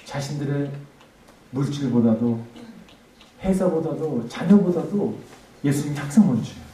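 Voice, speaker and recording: A man preaching a revival sermon as pastor, impassioned, swinging between emphatic peaks and hushed tones. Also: on the high side, expressive, normal speed. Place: church sanctuary. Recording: echoey church hall, mic at a distance, faint noise.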